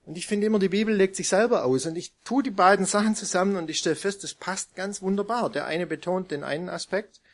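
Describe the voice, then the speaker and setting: A man's voice: sits high, fast, hardly any pauses. A man preaching a sermon to his congregation in a conversational way, often putting questions to his listeners.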